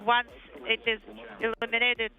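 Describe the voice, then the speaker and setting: A man speaking as a mission control communicator over a tinny space-to-ground radio line, measured and procedural, repeating call signs. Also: extremely high pitch, monotone. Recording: tinny narrow radio band with faint music.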